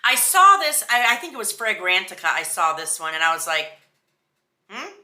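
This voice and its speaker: A woman's voice: medium pitch, very animated, normal speed, bright, forceful tone. A woman giving a casual, chatty beauty product review in a sassy, emphatic, slangy way. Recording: roomy indoor echo.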